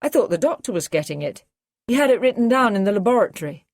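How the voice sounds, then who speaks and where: A woman's voice: big pitch swings, fast talker, no room sound, clean studio sound. Woman reading a frightened young woman scientist. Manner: high, breathless cries. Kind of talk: audiobook character reading.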